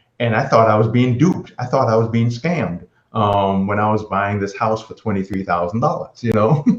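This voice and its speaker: A man with an unremarkable speaking voice talks at medium pitch with ordinary pitch variation. His pace is fairly quick, with hardly any pauses. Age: 60s. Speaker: real estate agent. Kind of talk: interview.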